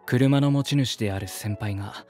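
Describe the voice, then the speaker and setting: A man's voice: mid-range voice, moderate pace, darkish tone, soft background music, natural voice. An actor playing an earnest, polite man who narrates his journey reflectively in an audio drama. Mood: reflective narration.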